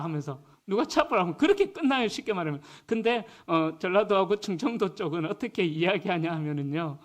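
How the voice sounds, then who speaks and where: High-voiced man preaching a sermon. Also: fairly bright tone. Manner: conversational, often checks in with the congregation. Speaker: pastor. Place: church.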